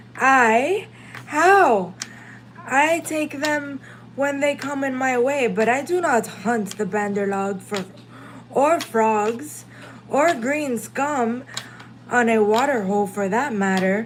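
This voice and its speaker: A woman's put-on character voice, high and hissing, with lively intonation, a fairly slow pace, long, frequent pauses and clear background noise. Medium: read story. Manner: slow, courteous, hissing.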